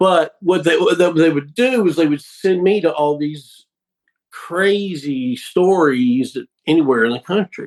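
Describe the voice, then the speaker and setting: A man speaks at a fairly slow pace. His pitch is high and his intonation lively. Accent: American. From Florida. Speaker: TV sports producer and author. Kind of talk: interview. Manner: rambling, halting with many restarts.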